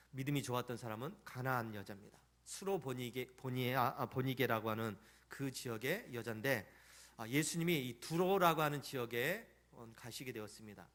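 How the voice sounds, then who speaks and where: A man's voice: mid-range voice, fairly bright tone. Man, pastor, sermon, rhetorical questions, acting out quoted lines, church. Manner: storytelling with rhetorical questions to the congregation; acts out quoted pleas and sayings. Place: church sanctuary.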